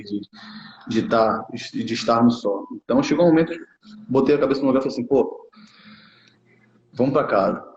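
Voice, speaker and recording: Brief: man in his 30s from Brazil, former player now coaching, halting casual interview talk, dull lo-fi recording. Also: mid-range voice, a little mellow. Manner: halting, many restarts and tag questions. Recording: muffled lo-fi sound.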